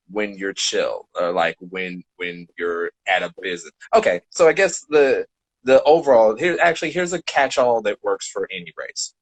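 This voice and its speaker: Deep voice guy, dry close sound, explaining stuff loosely on a podcast, rephrases a lot. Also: breathy edge, no echo, poor audio. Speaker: podcast speaker. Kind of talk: casual explanatory podcast chat.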